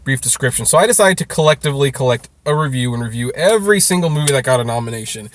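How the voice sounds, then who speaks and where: A man's voice: mid-range voice, animated, rapid-fire, no room sound. A man being interviewed as a guest, telling stories casually in a blunt, wryly joking manner. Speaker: interview guest, film critic and author. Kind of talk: casual conversational storytelling.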